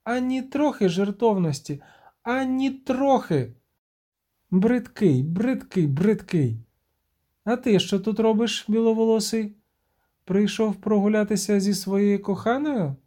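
Man voicing a shrill mocking sea siren. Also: lively intonation, dark tone. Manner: shrill trilling, drawn-out scolding.

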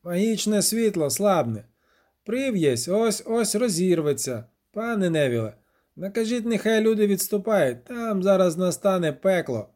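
A man's voice: high voice, very animated, unhurried, darkish tone, voice pushed up. A man voicing a grim male priest who gives urgent warnings in a fantasy audiobook. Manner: urgent, commanding.

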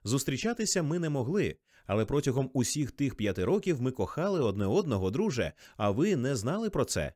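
An earnest, insistent young man in love, as a man reads him in an audiobook. His lines rise with feeling, lively in pitch, in a dry close recording. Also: brisk, hardly any pauses, no room sound.

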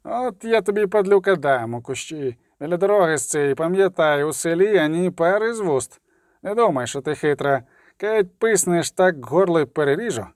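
A man's voice: on the high side, expressive, normal speed, no room sound, studio quality, natural voice. A man reading a brash, lying outlaw rogue. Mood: menacing. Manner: boastful, rough folksy slang. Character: brash swaggering male outlaw, smooth liar.

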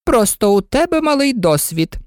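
A woman's voice: sing-song, normal speed, a little mellow, no echo, studio quality. A woman voicing a fussy, scatterbrained elderly queen who talks in flustered exclamations. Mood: insistent. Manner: flustered, exclaiming, squeaky at times.

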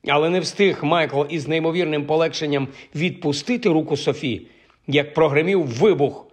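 Man narrating a storybook, measured and even. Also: a little high, husky. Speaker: audiobook narrator.

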